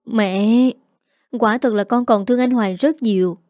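A woman's voice: a little high, measured pace, darkish tone, dry recording, lightly acted. Young daughter, pleading, apologetic, dry close sound, woman reading aloud.

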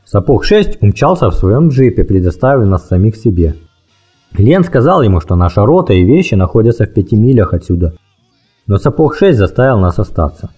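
A man reading a first-person war memoir as an audiobook, in a lively storytelling manner, raising his pitch for the dialogue. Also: fairly quick, husky, faint music behind. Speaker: audiobook narrator.

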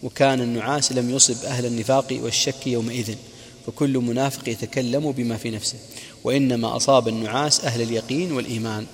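A male preacher teaches religious history at a rapid clip. He retells reports and stops to explain old words. His voice trails off in a long, reverberant hall. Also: medium pitch, steady tone, slight background noise. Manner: recounts reports, adding quick glosses of old words. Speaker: sheikh teaching prophetic biography. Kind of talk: religious lecture retelling narrations.

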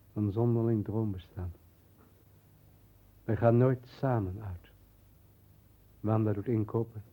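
A man's voice: fairly low pitch, husky, phone-quality sound. A man acting a broken, guilt-ridden, dreamy down-and-out brother in a 1960s radio play, subdued and brooding. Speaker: actor in a radio drama.

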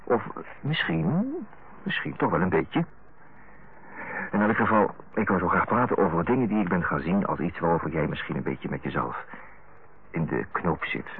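A man's voice: deep voice, expressive, moderate pace, pauses often, husky, full character voice. A male actor playing an earnest, affectionate middle-aged younger brother in a radio drama, speaking hesitantly and correcting himself as he searches for tactful, frank words. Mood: hesitant, coaxing. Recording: tinny narrow-band old radio recording.

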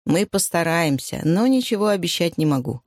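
A woman's voice: fairly low pitch, animated, moderate pace, darkish tone, dry recording, clean studio sound. A woman reading the part of an easygoing young wartime airman, good-humoured and matter-of-fact.

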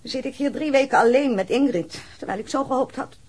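An actress playing an aggrieved, reproachful wife of a police detective in a radio drama, complaining bitterly. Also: female voice, high voice, fast talker, husky. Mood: hurt, bitter.

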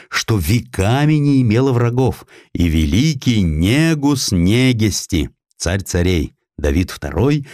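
A man reads a historical tale as scripted audiobook narration, with a dramatic, expressive storytelling delivery. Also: low-pitched, no room sound, studio quality.

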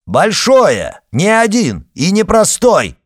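A man's voice: a little high, animated, a little fast, pitched above the performer's own voice, natural voice. A man voicing a hot-headed, arrogant young nobleman who sneers and barks orders. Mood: shouting. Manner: sneering, barking commands. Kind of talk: audiobook character voice.

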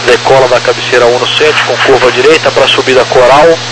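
A Brazilian man speaks as an air traffic controller at a middling pitch. His clearances are clipped and procedural, coming over a crackly, humming radio channel with clear noise. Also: fairly even intonation, fast talker. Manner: clipped, formulaic radio phraseology. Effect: crackly radio transmission.

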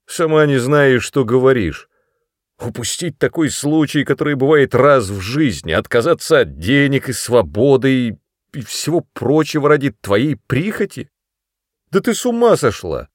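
A man's voice: medium pitch, animated, normal speed, no echo, clean studio sound, voice pushed up, lightly acted. A man voicing a snappish, self-important young man. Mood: angry. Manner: sharp, snapping, louder than the narration. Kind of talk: audiobook character voice.

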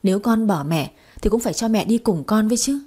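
Brief: a woman playing a poor young mother, pleading and tearful, soft warm breathy voice, audio story. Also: mid-range voice, animated, fairly quick. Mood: grieving. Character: young desperate mother, poor, devoted to her son.

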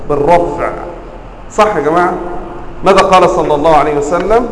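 A man with an Egyptian accent teaching a religious lesson, quizzing his listeners and stressing words with sharp rises. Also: fairly high pitch, fast talker, roomy sound, in a large hall, slight background noise, low-quality recording. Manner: quizzes the audience, emphatic rising stresses. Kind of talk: classroom lesson.

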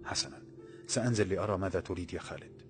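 Man reading as young woman, lovesick, brooding, soft inward voice, low pitch, quick, faint music. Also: natural voice.

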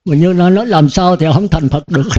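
A man's voice: high-pitched, a little fast, warm tone. An older man, a Buddhist monk, giving a dharma talk to his disciples in a folksy way, full of rhetorical questions. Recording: dull lo-fi recording.

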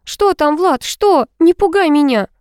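A woman's voice: extremely high pitch, expressive, unhurried, a little mellow, no echo, clean studio sound, pitched above the performer's own voice. A woman voicing an anxious, fussy young female student in an audiobook. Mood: panicky. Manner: anxious, whiny.

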